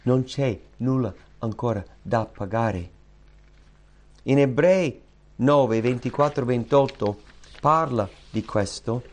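A man preaching a sermon with impassioned, repeated rhetorical questions that swing from loud high outbursts to hushed low tones. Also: slow pace. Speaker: pastor.

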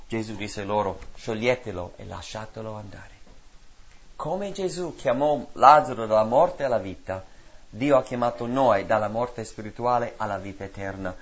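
A man preaching a sermon in a rhythmic, repetitive cadence, swinging between loud emphatic lines and hushed drops. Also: on the low side, animated, moderate pace, lo-fi sound.

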